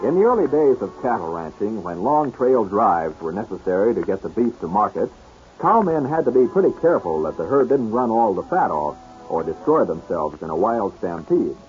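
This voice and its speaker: A man's voice: on the low side, big pitch swings, moderate pace, faint music behind. A man in the manner of an old radio announcer, reading scripted sponsor copy. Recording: tinny vintage radio broadcast.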